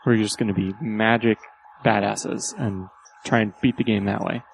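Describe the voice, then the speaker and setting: A man's voice: fairly low pitch, steady tone, moderate pace, vocal fry. A man chatting casually as a panelist on a gaming podcast. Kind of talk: casual chat. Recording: slightly noisy online voice chat.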